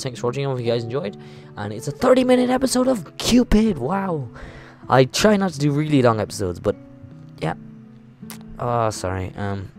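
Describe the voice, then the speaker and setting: Rambling man with a creaky voice. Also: mid-range voice, a little mellow. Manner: rambling, self-interrupting, apologetic. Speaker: video game let's-play host. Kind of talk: casual game commentary and read-aloud narration.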